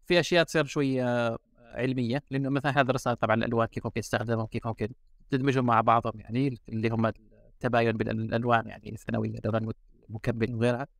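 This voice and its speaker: A man's voice: mid-range voice, flat delivery, very fast, gravelly, no echo. A man with an Algerian Arabic accent, a designer guest chatting casually on a podcast and mixing in English and French words. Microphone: remote call.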